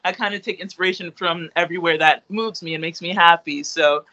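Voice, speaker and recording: Young male interviewee, high and bright, rambling casual talk, slightly muffled audio. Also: brisk. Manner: rambling, lots of fillers and restarts, laughs easily. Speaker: interviewee, artist.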